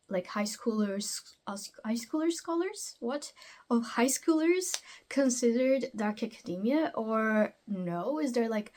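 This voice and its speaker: A woman's voice: a little high, darkish tone. Chatty young woman, rambling. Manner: chatty, rambling, questions herself aloud. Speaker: book vlogger. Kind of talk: casual book vlog. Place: at home.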